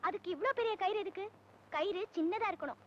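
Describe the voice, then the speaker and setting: A woman's voice: very high-pitched, quick pace, dull audio. An actress playing a bossy older village woman who scolds and teases, with a Tamil accent. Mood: scolding. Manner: scolding, teasing. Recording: old film soundtrack under loud music.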